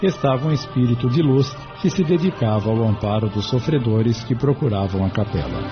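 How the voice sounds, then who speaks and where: A man's voice: mid-range voice, lively intonation, a little fast. Solemn male narrator over music. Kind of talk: scripted audiobook narration. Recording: dull lo-fi radio recording.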